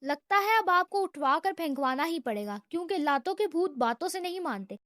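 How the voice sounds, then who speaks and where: A woman performs a feisty young office assistant who never backs down. Her retorts are sharp and sassy, and her voice sits high. The sound is close and dry. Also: expressive, dry recording. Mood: sassy defiant.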